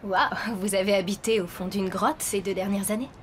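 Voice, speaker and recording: A woman's voice: medium pitch, steady tone, moderate pace, natural voice. An actress dubbing a young woman film star who hides her fame, talking in an evasive, playful way. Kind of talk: French dub of a TV film.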